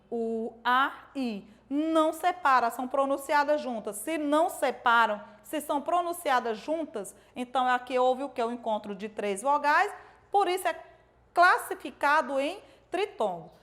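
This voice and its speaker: High-voiced woman teaching small children. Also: fairly bright tone. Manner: explains slowly and repeats points, asking "certo?" and "né?" often; sounds out syllables slowly and drawn out. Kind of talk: recorded video lesson for young pupils.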